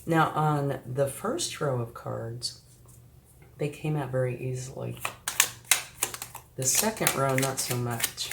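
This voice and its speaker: This tarot reader talks slowly and steadily in a bass voice with vocal fry and long pauses. Sniffly from a recent flu, she reassures the viewer she's addressing directly, frequently saying "okay" and "right," in an echoey room with faint background noise.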